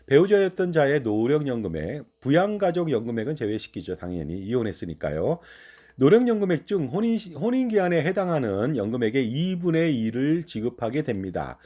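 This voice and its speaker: Lively, mellow-voiced man explaining finances. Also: medium pitch, fairly quick. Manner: lively explaining tone, rhetorical questions to viewers. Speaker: finance channel host. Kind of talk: explanatory talk on pensions.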